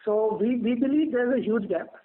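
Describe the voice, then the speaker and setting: A man's voice: extremely high pitch, normal speed. A man with an Indian accent, a company executive explaining things on an earnings call, repeating words as he thinks. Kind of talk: answering questions on an earnings call. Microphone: telephone line. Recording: narrow, tinny phone line.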